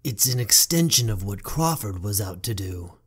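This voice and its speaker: A man playing a haughty young businessman and older brother in a fan audio drama, speaking in a measured, formal, dry way. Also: fairly low pitch, animated, husky. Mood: explaining, confident.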